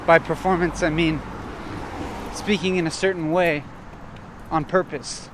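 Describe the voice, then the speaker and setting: A man walking outdoors and thinking aloud in short, broken phrases, at times loud and assertive, almost shouting. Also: a little high, steady tone, a little slow, noisy background. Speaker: vlogger. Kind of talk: reflective walking monologue. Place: outdoors on a street while walking.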